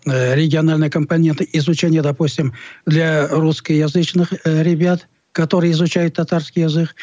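A man from Tatarstan answering as an interview guest, explaining his library's work in an earnest, halting, self-correcting way. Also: on the high side, warm tone, dry recording. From Tatarstan, Russia. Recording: dull, muffled lo-fi audio.

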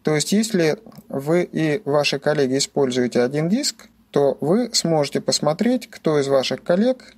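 A man's voice: fairly high pitch, animated, moderate pace, darkish tone. A man giving scripted instructional narration as a tutorial presenter, explaining things methodically, step by step.

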